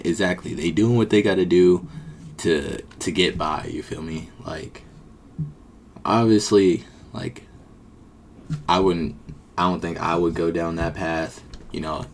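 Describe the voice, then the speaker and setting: A man's voice: sits low, fairly even intonation, measured pace, slight background noise. A young man streaming, chatting casually and swearing as he reacts to a documentary. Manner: slangy, swearing, talks back to the video. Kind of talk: casual live reaction chat.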